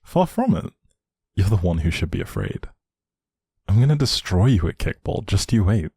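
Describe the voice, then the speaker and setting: A man performs a doting young boyfriend in an intimate audio roleplay, talking one-to-one with gentle teasing and affection. His voice is deep, dark and soft with a husky grain, recorded very dry. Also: very animated, normal speed, no echo, heavily acted. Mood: playfully competitive. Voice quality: low, soft, husky, creaky.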